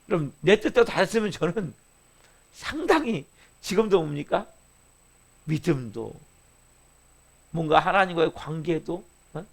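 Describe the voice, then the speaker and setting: A male pastor preaching an early-morning sermon, firing rhetorical questions at the congregation and swinging between loud emphasis and soft asides. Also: a little high, expressive, unhurried, vocal fry, pauses often.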